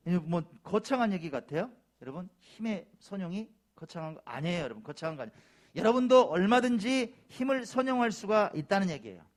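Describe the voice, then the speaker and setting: A man's voice: on the high side, a little mellow. A male pastor preaching a Sunday sermon in a church, who speaks emphatically, repeats key phrases and talks straight to the congregation. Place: church sanctuary.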